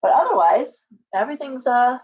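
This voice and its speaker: A middle-aged woman, a tarot reader, chatting casually on a livestream from her living room, hoarse from coughing and rambling with many restarts. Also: on the high side, expressive, moderate pace. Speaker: tarot reader and shop owner. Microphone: webcam at desk distance. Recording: slightly dull lo-fi webcam audio.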